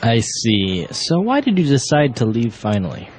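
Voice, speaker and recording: A man's voice: mid-range voice, huge pitch swings, normal speed, a little hiss or hum. A man playing a polite job interviewer in a scripted dialogue, asking questions. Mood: inquiring.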